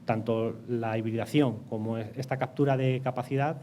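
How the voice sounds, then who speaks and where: A man's voice: medium pitch, steady tone, normal speed, warm tone, slight background noise. A man with a Castilian Spanish accent giving explanatory interview answers, hesitating and repeating words as he goes. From Castilla-La Mancha, Spain. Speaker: interview guest, energy company project director.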